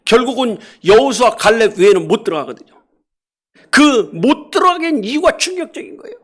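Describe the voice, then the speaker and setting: A middle-aged male pastor preaching a sermon in a church, animated and questioning the congregation, acting out animal sounds and scoldings. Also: very high-pitched, brisk, husky. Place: church sanctuary.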